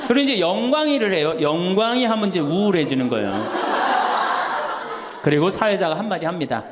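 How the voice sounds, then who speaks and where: A man's voice: high voice, brisk, very noisy. A Catholic priest in his sixties giving a humorous sermon to an audience, telling stories with laughter and acting out the dialogue. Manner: storytelling with laughter and lively quoted dialogue.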